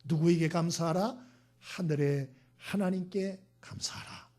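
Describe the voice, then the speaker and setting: A middle-aged male pastor preaching a sermon, asking rhetorical questions, acting out quick voices and sometimes dropping to a whisper. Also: fairly high pitch, a little mellow.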